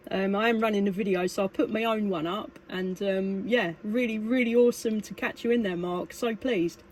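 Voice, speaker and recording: A woman's voice: mid-range voice, fairly even intonation, moderate pace, a little mellow. A British woman chatting casually as a radio hobbyist, in a hesitant, rambling way. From United Kingdom. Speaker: amateur radio operator. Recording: clearly noisy amateur recording, radio hiss. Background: background noise.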